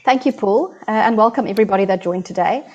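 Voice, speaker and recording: A middle-aged South African woman presenting company financial results in a measured, businesslike way. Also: mid-range voice, a little mellow, lo-fi sound. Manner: measured, businesslike, some fillers. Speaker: chief financial officer.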